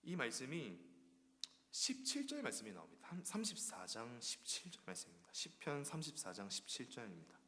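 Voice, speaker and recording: A male preacher delivers a sermon in a church, his voice lively and swooping in pitch. He leans on rhetorical questions to draw the congregation in. A long reverb from the sanctuary trails after his words. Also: fairly quick.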